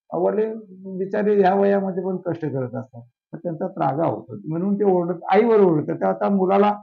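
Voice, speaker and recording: A male social worker gives an impassioned interview, asking rhetorical questions and piling up long lists. His voice is high, with vocal fry. The lo-fi recording sounds dull.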